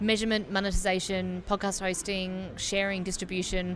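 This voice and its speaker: The speaker talks at a fairly quick pace. The accent is Australian. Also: woman. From Australia, Melbourne. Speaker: company representative. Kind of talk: sponsor interview.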